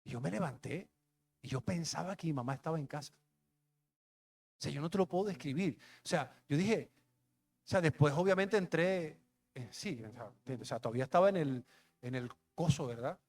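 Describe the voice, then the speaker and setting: A man's voice: a little high, moderate pace, a little mellow. A young adult man, a pastor, telling a personal testimony in a conversational, emotional sermon. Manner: conversational, emotional storytelling with street slang.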